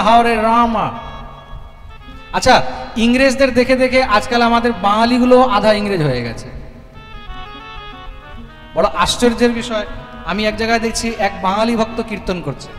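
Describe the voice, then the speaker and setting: A man's voice: high voice, fairly bright tone, in a large hall. A man preaching a devotional discourse, telling a story and putting questions to the audience.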